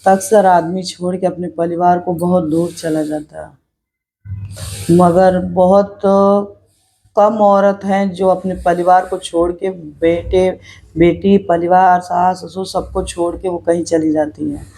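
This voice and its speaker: Middle-aged woman vlogger, earnest personal talk, flat and dark-toned delivery. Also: on the low side, a little slow. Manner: earnest, reflective, repeats herself while speaking her mind. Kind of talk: personal vlog talk to camera.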